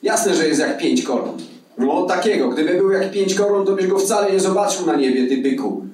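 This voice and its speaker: A coarse, quarrelsome factory worker from a storybook, hurling insults in a hot-headed rush, as a man reading aloud puts him on. The voice sits well above the reader's own and leaps around lively. It sounds distant, in a roomy, echoing hall. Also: sits high, normal speed, pitched above the performer's own voice. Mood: insulting. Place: event hall at a live reading. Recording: echoey hall from far off.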